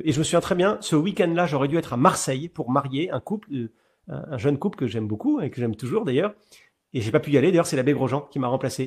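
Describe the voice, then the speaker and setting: A middle-aged man, a priest, speaking to an audience in a webinar. His voice sits a little high for a man. He keeps jumping up in pitch and loudness, then drops back, and he fills his pauses with hesitations and repeated words. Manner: animated storyteller with sudden rises in pitch and loudness; frequent fillers and repeated words. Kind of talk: webinar talk telling a personal story.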